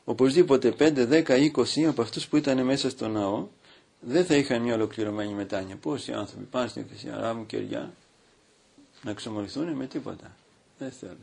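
A man preaching as a priest, reading from a book and stopping to comment, with slow, drawn-out emphasis. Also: mid-range voice, gravelly, a little mellow, slightly rough. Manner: reads aloud from a book, breaking off to comment. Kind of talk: sermon.

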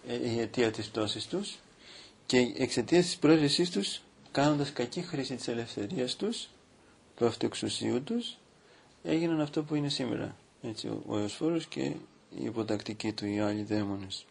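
Male priest, sermon delivery, gravelly voice, reads and comments with emphatic pauses. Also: medium pitch, lively intonation. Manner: reads aloud from a book, breaking off to comment.

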